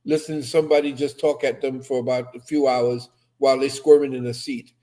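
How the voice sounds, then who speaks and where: Mid-range and a little fast, this older man's mellow voice has a flat delivery. A co-host who grew up in Trinidad, he tells stories emphatically and lectures with conviction while on a casual video call via webcam.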